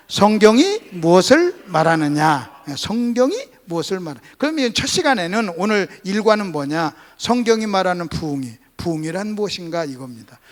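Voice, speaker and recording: A man from South Korea preaches a revival sermon as a pastor, teaching emphatically with repetition and rhetorical questions to his congregation. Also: high-pitched. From Gunsan, North Jeolla, South Korea. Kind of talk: Sunday revival sermon with call-and-response to congregation. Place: church service.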